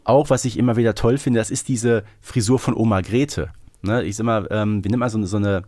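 A man's voice: lowish voice, a little fast, darkish tone, no room sound. A man co-hosting a casual podcast, often tacking questioning tags onto his remarks. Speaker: podcast co-host.

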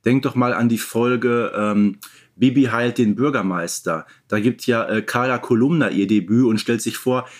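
A man talks as a podcast co-host. His voice sits at an average male pitch. He explains in a casual but informed way, stressing points as he goes. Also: moderate pace. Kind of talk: casual, informed fan discussion.

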